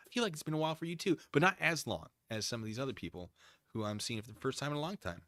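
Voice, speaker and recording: A man's voice: mid-range voice, expressive, racing, pushed and bright, dry recording, studio quality. A man hosting a livestream in casual chat, rambling wryly as he reads and answers viewers and acts out imagined exchanges.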